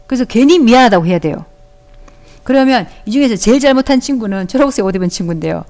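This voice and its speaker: Teacher woman with a fairly high voice. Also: animated, fast. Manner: warm, encouraging, acts out children's lines. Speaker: elementary school teacher. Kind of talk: audio-only online lesson for children. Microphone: close microphone, audio only.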